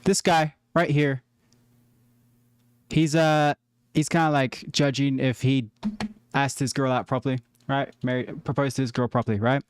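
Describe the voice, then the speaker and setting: A man's voice: medium pitch, little pitch movement, moderate pace, long pauses, slight background noise. A man streaming, chatting casually and joking with his viewers as he reacts to videos.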